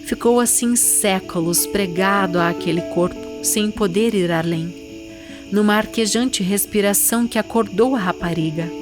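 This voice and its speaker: A woman's voice: medium pitch, a little slow. Brazilian woman reading and discussing literature over music. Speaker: podcast host and literary reader. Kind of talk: literary narration and conversational book discussion.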